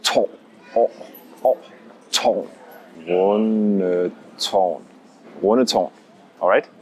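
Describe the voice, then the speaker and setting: A man in his forties, a native Danish speaker, teaching pronunciation slowly and carefully, recorded outdoors on city streets with a lapel mic. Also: fairly low pitch, crowd noise, rough recording. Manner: slow, exaggerated demonstration of sounds. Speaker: language teacher. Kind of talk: pronunciation lesson vlog.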